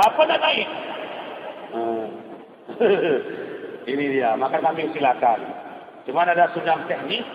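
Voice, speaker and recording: High-voiced folksy man preaching with an Acehnese accent, echoey muffled hall recording. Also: background noise. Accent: Acehnese Indonesian. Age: older. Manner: folksy, joking asides. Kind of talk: humorous sermon.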